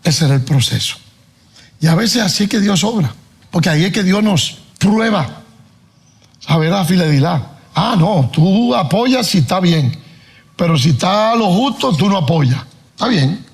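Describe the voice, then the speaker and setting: Man, pastor, sermon, fairly high voice, emphatic questions. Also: expressive, moderate pace, breathy edge. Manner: preaches with rising, emphatic questions and Bible reading.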